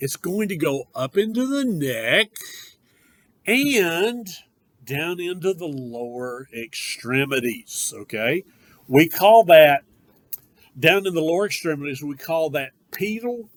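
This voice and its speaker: In a Southern US accent, a man speaks very slowly at a high pitch, with very wide pitch swings and big swings in loudness, in a dry, close sound with no echo. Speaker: instructor. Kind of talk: lecture.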